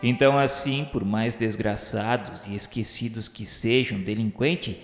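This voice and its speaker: A man reading the narration of a radio serial in a solemn, measured way, with faint music behind him. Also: lowish voice. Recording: reverberant room with faint music. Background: faint background music.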